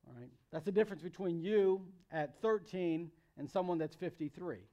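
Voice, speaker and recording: High-voiced American man preaching to youth. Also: moderate pace, dark tone, dull audio. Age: 30s. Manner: conversational, emphatic, repeats phrases for emphasis. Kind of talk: sermon to young people.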